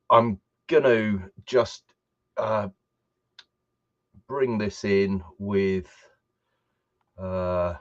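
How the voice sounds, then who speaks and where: A man hosting a livestream, chatting casually and hesitantly, often half to himself. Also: on the low side. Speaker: livestream host. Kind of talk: casual unscripted livestream chat. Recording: dull, muffled livestream audio.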